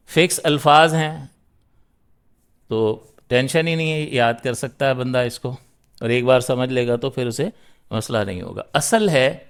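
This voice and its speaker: A man's voice: mid-range voice, smooth. A man teaching a grammar class, explaining step by step and answering his own questions. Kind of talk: grammar lesson.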